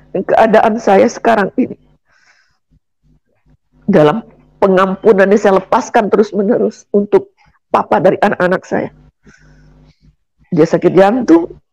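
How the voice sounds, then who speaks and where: A middle-aged woman from Indonesia tells her life story as a church testimony. She speaks earnestly and often turns to her listeners directly, and her voice has a gravelly edge. The sound is dry and close. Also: medium pitch, dark tone, no room sound, rough recording. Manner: earnest, keeps addressing listeners as brothers and sisters. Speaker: guest giving a testimony.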